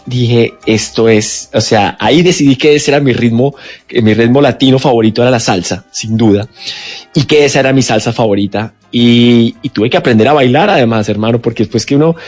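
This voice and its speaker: A man from Colombia, an actor in his forties, chatting in a relaxed way on a radio interview, with many restarts. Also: mid-range voice, fairly quick, soft background music. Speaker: guest actor. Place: radio studio.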